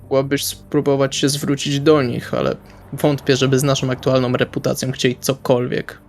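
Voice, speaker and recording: A man's voice: medium pitch, level tone, normal speed, gravelly, faint music behind. A man playing a tabletop role-playing game, improvising dialogue and narrating his actions casually in colloquial speech. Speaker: tabletop RPG player.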